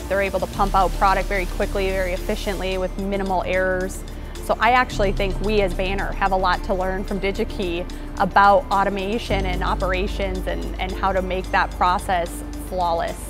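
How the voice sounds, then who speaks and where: Even-toned woman in a factory interview. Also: mid-range voice, fairly quick. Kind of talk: interview answers. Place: large factory floor indoors. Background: background music.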